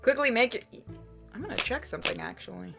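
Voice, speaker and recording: A woman's voice: fairly high pitch, lively intonation, fast, creaky. A woman doing a casual let's play, reading game narration aloud and commenting expressively. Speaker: game streamer reading visual novel aloud. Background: game music.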